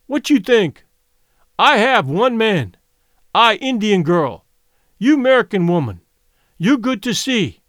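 A man's voice: high voice, a bit bright, no echo, studio quality, pitched above the performer's own voice, heavily acted. A man reading an audiobook, voicing a fierce young Native woman who speaks blunt, broken English.

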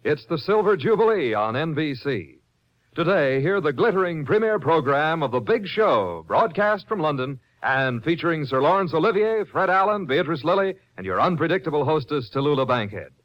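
A man's voice: on the high side, big pitch swings, moderate pace. An American man reading promotional announcements in a 1950s network radio style. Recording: dull old radio broadcast recording.

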